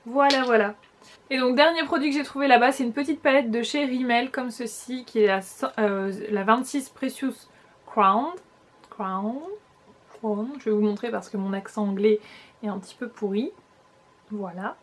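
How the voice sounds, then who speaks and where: A woman's voice: a little high, brisk. A young woman vlogger chatting casually through a makeup haul, talking straight to her viewers with frequent small restarts. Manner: chatty, hesitant restarts, addresses viewers directly. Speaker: beauty vlogger.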